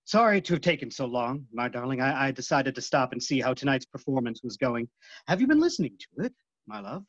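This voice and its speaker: A man playing a tormented, obsessive phantom in a staged reading, halting and dramatic, moving between hushed and loud. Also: mid-range voice, sing-song, no room sound. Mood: possessive, pleading. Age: middle-aged. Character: tormented, obsessive masked phantom, possessive male lover. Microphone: computer mic on video call. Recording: muffled video call audio.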